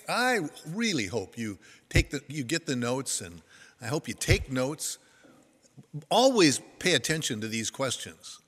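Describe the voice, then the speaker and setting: A man's voice: medium pitch, fairly bright tone, long reverb tail. An older man giving a sermon to a congregation, telling stories in a folksy, self-deprecating way. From United States. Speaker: pastor.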